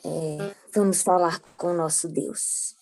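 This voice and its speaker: Mellow, lowish Brazilian woman leading prayer. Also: steady tone, slow. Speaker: prayer meeting participant leading prayer. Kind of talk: informal devotional talk and prayer.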